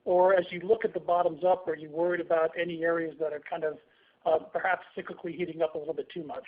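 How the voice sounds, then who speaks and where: A man's voice: on the high side, little pitch movement, quick pace. A man speaking as a financial analyst, putting polite, conversational questions on an earnings call. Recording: tinny phone line.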